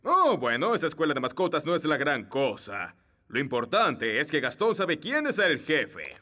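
A bumbling, pompous middle-aged fairy king in a children's cartoon. He has a Latin American Spanish accent and a bright, forceful voice that swings widely in pitch. He sounds self-important and easily flustered. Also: big pitch swings, normal speed. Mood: confident.

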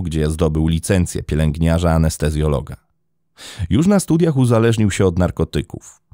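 A man with a very low, dark voice tells a crime story in a measured, scripted way. The sound is dry and close, as from a studio microphone. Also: no room sound. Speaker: narrator. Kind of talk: scripted true-crime narration.

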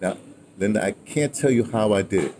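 A man in his sixties with an American accent and a fairly low, warm-toned voice. He tells stories in a casual, digressive way, looping back and checking that he is followed. He is recorded outdoors with some ambient noise behind him. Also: a little fast. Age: 60s. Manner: animated, rambling, digressive, often ending phrases with "right?" and "you know". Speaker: guest recounting his radio history. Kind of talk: casual conversational storytelling. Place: outdoors, by a house with a wooden awning.

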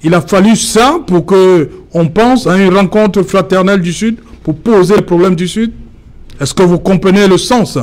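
A man's voice: sits high, moderate pace, darkish tone. A young man hosting a studio talk show, asking probing questions with frequent restarts. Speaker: TV debate host.

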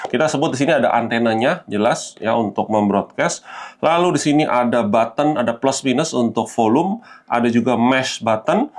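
A man's voice: medium pitch, a little hiss or hum. A man hosting a casual gadget unboxing, explaining things conversationally to viewers and mixing in English terms. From Indonesia. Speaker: gadget reviewer and vlog host. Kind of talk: casual product unboxing commentary.

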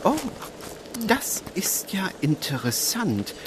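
A man as a prickly, animated reporter. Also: fairly high pitch, takes it slowly, slight background noise. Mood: cagey, smug. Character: cagey, prickly male newspaper reporter chasing a scoop. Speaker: voice actor. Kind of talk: German crime audio drama dialogue.

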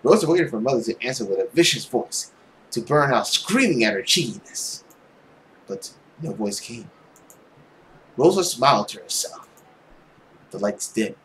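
A young man reading a visual novel aloud in a theatrical, expressive storytelling style. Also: mid-range voice, moderate pace, pauses often, a little hiss or hum, low-quality recording. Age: young adult. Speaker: gaming video host. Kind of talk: dramatic read-aloud narration of a visual novel. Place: small room at home, indoors. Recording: loud music under the voice. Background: loud game music.

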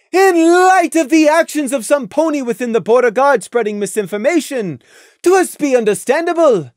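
A stern royal mare who speaks in thee and thou, pitched high and loud, as a reader puts her on. Her speech swings widely in tone, imperious and commanding. The recording is dry and close. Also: dry recording. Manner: archaic formal speech, commanding. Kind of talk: audiobook reading of fan fiction.

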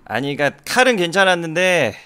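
A man streaming a game, commenting excitedly, swearing at an opponent, swinging between muttering and shouting. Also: a little high, fast, clear, resonant tone. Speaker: gameplay streamer. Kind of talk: live gameplay commentary.

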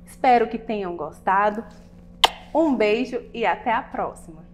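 A woman's voice: mid-range voice, expressive, moderate pace, background noise. A woman teacher giving a recorded lesson for children, explaining patiently and asking the pupils questions.

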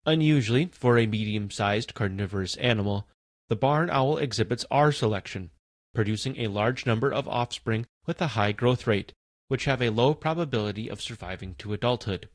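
A man reading an encyclopedia article aloud in a steady, even manner. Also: medium pitch, moderate pace, no echo. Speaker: volunteer article reader.

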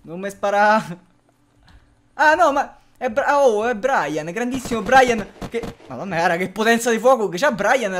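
Excitable gamer swearing at zombies. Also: male voice, very high-pitched, slight background noise. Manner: swears a lot, laughs often, yells at the game. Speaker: gameplay commentator. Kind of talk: casual let's-play commentary.

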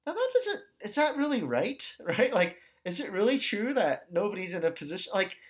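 Man teaching ethics, lively pitch. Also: normal speed. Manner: conversational, checks in with "okay" and "right"; acts out quoted questions with shifting tones. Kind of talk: recorded lecture video.

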